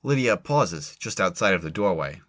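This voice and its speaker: Casting: low-voiced narrator for scripted audio fiction, telling the action between lines. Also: very animated, normal speed, fairly bright tone.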